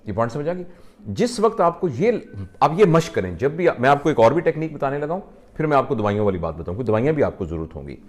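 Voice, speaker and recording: A man, a doctor, calmly counseling a patient and explaining with simple everyday examples. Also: mid-range voice.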